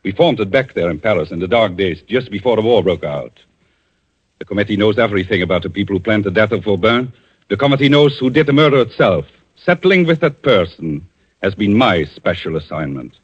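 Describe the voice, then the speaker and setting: A man playing a calm, vengeful avenger in a 1940s radio drama, speaking in a measured, theatrical way on a dull old broadcast recording. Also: lowish voice, husky. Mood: accusing.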